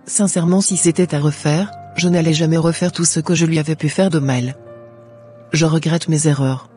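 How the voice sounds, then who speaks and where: A woman's voice: low voice, fairly even intonation, normal speed, mellow, close to an everyday voice. A woman voicing a headstrong, regretful young orphaned daughter in an amateur Christian cartoon, lamenting dramatically over music. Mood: grieving, regretful.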